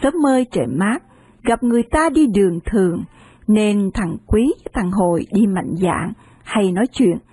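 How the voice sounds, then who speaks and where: Expressive woman reading an audiobook. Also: medium pitch, normal speed, breathy edge, no room sound. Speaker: audiobook narrator. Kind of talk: scripted audiobook narration.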